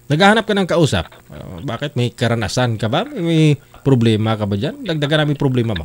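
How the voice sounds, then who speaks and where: Very fast and animated, a man talks at a fairly high pitch with very wide pitch swings. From Philippines. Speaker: live call-in show host. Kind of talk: casual chat. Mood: joking, teasing. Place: studio. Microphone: studio mic.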